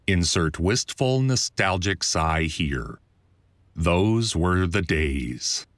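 A man's voice: deep voice, lively intonation, drawn-out words, no echo, studio quality. A middle-aged American man reading his own audiobook in a wry, conversational, emphatic manner. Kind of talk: scripted first-person audiobook narration. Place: close, dry studio recording.

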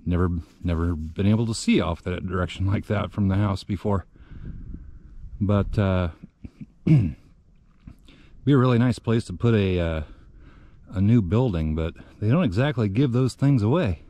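A man's voice: on the low side, unhurried, pauses often, warm tone. A middle-aged man, giving a rambling, plain-spoken update while walking around his farmyard with an action camera. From central Iowa. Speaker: vlogger, farm shop owner. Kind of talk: casual walk-around update. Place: outdoors on a farmyard in winter, also inside a shop.

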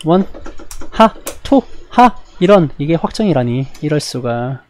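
A man giving live commentary while he plays a fighting game, with rapid, self-mocking banter and sudden exclamations. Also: on the high side, very animated, a little mellow, slight background noise. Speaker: game streamer.

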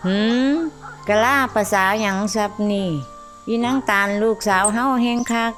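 A woman voicing a sharp-tongued old village woman with a Northeastern Thai Isan accent, dry and mocking. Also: mid-range voice, unhurried, faint music behind, natural voice.

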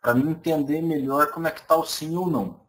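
A man's voice: a little high, fairly quick, fairly bright tone. A man in his thirties giving an online lecture from a small room, talking casually and often checking in with his listeners. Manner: conversational, frequent tag questions, hedged personal opinion. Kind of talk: live webcam lecture answering viewer questions. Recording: roomy webcam audio.

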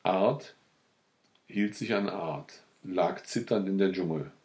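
A man narrating a classic literary story as an audiobook, in a measured storytelling manner. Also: low voice, a little mellow. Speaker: audiobook reader.

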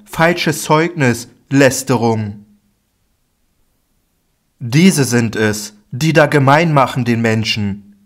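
A man's voice: medium pitch, pitched above the performer's own voice. A man reading a stern preaching teacher. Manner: declaiming, emphatic, slow. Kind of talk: solemn Bible audiobook reading.

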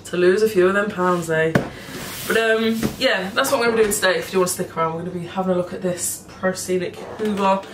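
Talking fast at a medium pitch, a woman vlogs about cleaning from her kitchen at home, chatting and rambling to a camera placed in front of her at table height. Her throat sounds froggy and a bit hoarse, and she swears and laughs now and then. Background noise and kitchen echo are audible.

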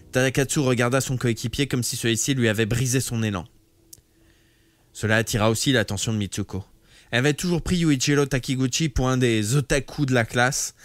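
A man reading a novel aloud live, with expressive, lively storytelling. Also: mid-range voice, no room sound. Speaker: audiobook reader.

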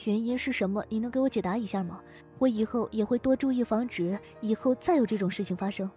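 A woman playing an anxious young wife in an audio drama, earnest and quick to protest. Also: a little high, warm tone, faint music behind, natural voice. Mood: earnest, curious. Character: anxious, indignant young wife, a clinic patient.

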